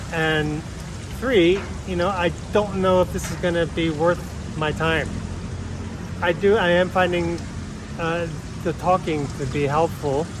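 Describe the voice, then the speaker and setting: Pausing long and often, a man with an American accent speaks at a fairly slow pace in a high pitch with fairly even intonation, amid noticeable background noise and audible room echo. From Pennsylvania Dutch culture, US. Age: 50s. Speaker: YouTuber, expat nearing retirement. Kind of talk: unscripted vlog monologue. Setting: outdoors in a pool, handheld camera. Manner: halting, hesitant.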